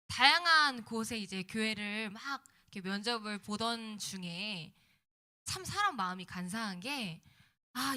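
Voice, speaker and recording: A woman's voice: fairly high pitch, bright, forceful tone. A woman youth pastor preaching conversationally to middle schoolers, her diction slightly slurred by swelling after having wisdom teeth out. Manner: conversational, checking in with young listeners. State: mouth swollen after wisdom tooth removal. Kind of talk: sermon.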